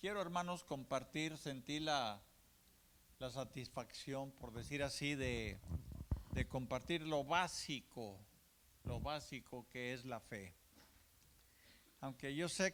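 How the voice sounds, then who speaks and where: Very slow and broken by long, frequent pauses, a man's fairly high voice shows ordinary pitch variation. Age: 70s. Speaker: preacher. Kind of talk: sermon. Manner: casual, full of fillers and repetitions.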